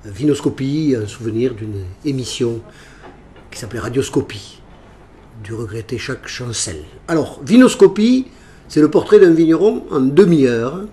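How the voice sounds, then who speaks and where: A man's voice: mid-range voice, expressive, normal speed, warm tone, a little hiss or hum. Jovial older male interview host. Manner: jovial, teasing, steers the talk. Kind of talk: radio-style interview hosting.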